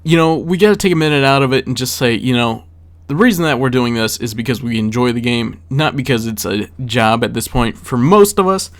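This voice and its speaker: A man's voice: medium pitch, animated, brisk. Man telling stories in casual gaming commentary. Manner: conversational, repeats words for emphasis. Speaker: gaming video creator. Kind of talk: casual storytelling commentary to viewers. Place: voice-over for a gameplay video.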